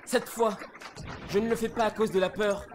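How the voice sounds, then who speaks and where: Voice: mid-range voice, fairly even intonation, normal speed, background noise, close to an everyday voice. A performer voicing a timid, earnest teenage boy in an amateur French anime fandub, hesitant and easily flustered. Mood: nervous. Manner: hesitant, stammering. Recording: long reverb, loud background music.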